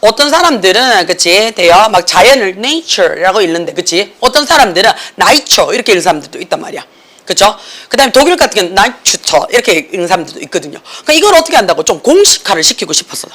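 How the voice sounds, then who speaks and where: Woman English instructor, animated pitch, lecturing style, keeps asking the class questions. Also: very fast. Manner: lively, asks students constant check questions.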